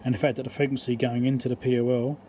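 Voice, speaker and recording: Mellow-voiced man explaining electronics repair casually. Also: mid-range voice, little pitch movement, quick pace, slight background noise. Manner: rambling, matter-of-fact, thinking aloud.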